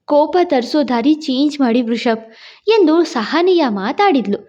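A woman storyteller giving a steady, expressive scripted narration of a romance story. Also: high voice, measured pace. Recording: dull lo-fi sound.

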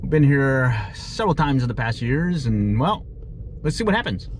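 A man's voice: medium pitch, very animated, normal speed, a little hiss or hum, poor audio. A man casually narrating his fishing trip from a pond pier, chuckling as he explains his gear and catches. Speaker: fishing vlogger. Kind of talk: casual fishing vlog commentary. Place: outdoors at a park pond on a pier. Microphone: action camera.

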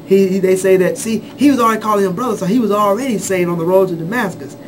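A man's voice: sits high, quick pace, slight background noise. A man teaching from the Bible on a church radio show, earnest, restarting his phrases often. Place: small radio studio. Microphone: handheld mic.

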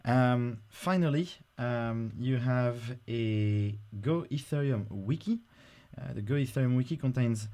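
A man talking through a software install on screen in a casual, explanatory way, with frequent fillers. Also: medium pitch. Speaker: software tutorial presenter. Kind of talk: screen-recorded software tutorial.

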